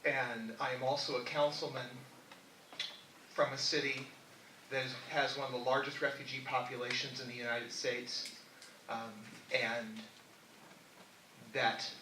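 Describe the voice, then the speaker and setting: A man, a city councilman running for office, answering in a political debate in a halting, measured way. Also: medium pitch, flat delivery, pushed and bright, a little hiss or hum. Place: debate hall. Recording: echoey hall from far off.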